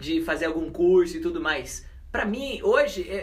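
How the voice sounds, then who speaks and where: Room echo follows a man as he talks at a moderate pace. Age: 30s. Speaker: pastor. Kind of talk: casual chat.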